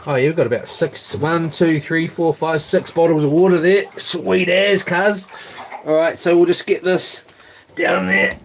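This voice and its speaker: A man's voice: on the high side, lively intonation, moderate pace, slight background noise. A man with a broad New Zealand accent chatting casually and slangily, half to himself, as he vlogs. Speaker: live streamer. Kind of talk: casual vlog chat, talking while tidying.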